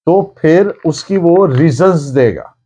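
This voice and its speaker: A man with a Pakistani accent giving a lecture in a deliberate, emphatic, didactic way, mixing in English phrases. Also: fairly high pitch, expressive, warm tone, slightly rough. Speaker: law lecturer. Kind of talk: lecture on evidence law, dictating citations.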